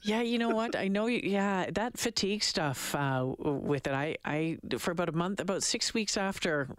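A woman's voice: lowish voice, lively intonation, moderate pace, dry recording. Woman, radio host, casual interview chat, conversational, close dry sound. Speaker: afternoon radio show host.

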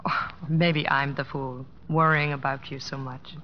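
An American actress playing a devoted, gently scolding wife in an old radio drama, earnest and solicitous. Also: female voice, extremely low pitch, flat delivery, a little slow, a little hiss or hum. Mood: tender. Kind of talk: 1950s American radio drama, acting and narrating. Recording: dull vintage radio recording, music behind.

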